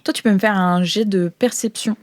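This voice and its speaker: A woman's voice: mid-range voice, steady tone, a little fast, darkish tone. A woman improvising tabletop game narration as game master, casual and searching for her words.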